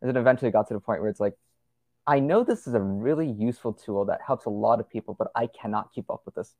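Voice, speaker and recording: A man's voice: lowish voice, animated, fast, dark tone, no echo, clean studio sound. A young man as a podcast guest, chatting casually and rambling with lots of fillers and restarts. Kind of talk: casual conversational interview.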